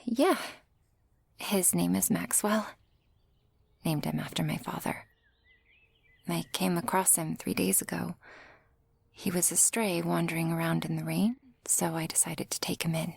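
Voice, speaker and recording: Slow whispering woman shopkeeper, gravelly. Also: on the low side, steady tone, no echo. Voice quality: soft breathy whisper. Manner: friendly, softly welcoming. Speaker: ASMR roleplay performer as flower shopkeeper. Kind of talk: whispered ASMR roleplay.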